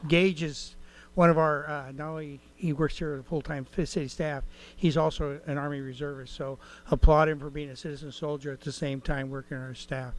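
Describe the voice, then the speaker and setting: A man's voice: a little high, flat delivery, fairly quick, hardly any pauses. A man, a city official, enthusiastically praising a staff member.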